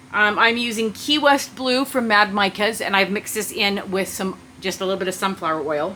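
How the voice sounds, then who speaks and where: A woman's pitch varies in an ordinary way as noticeable background noise plays behind her. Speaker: soap maker. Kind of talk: tutorial. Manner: fast.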